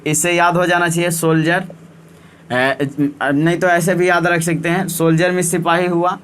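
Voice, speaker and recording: A man's voice: a little high, fairly bright tone. A male teacher giving a casual exam-prep lesson, talking in a repetitive, coaxing way and ending sentences with a checking tag. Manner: repetitive, coaxing, often ends with "है ना".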